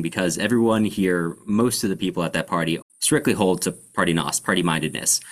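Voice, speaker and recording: Deep-voiced man, halting and explanatory. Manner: halting, explanatory, searching for words. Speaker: podcast host. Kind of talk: casual book discussion.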